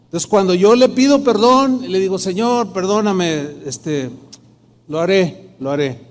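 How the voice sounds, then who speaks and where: Pastor, middle-aged man, high voice, lively storytelling, reverberant church hall. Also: a little slow. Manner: storytelling, acting out dialogue in shifting tones. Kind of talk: sermon with personal testimony.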